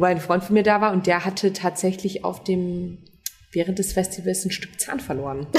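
A woman's medium-pitched voice, fairly even in intonation, at a moderate pace amid noticeable background noise. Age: 30s. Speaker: podcast co-host. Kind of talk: casual chat. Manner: frequent laughter.

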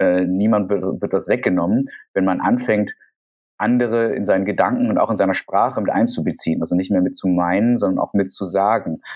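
A man's normal speaking voice, fairly low in pitch, with fairly even intonation, very even loudness and a fairly quick pace. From Germany. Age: 40s. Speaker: author and online editor. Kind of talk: casual interview.

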